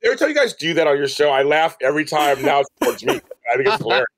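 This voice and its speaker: Animated, fast-talking American man. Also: on the high side, background noise. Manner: chatty, animated, acts out quoted remarks. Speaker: podcast guest, entertainment reporter and host. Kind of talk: casual storytelling in an interview.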